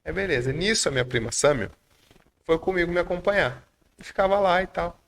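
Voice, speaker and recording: Gravelly Brazilian man telling a story. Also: sits high, a little fast. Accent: Brazilian Portuguese. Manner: animated storyteller, acts out quoted dialogue. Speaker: podcast guest. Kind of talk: storytelling in a podcast interview.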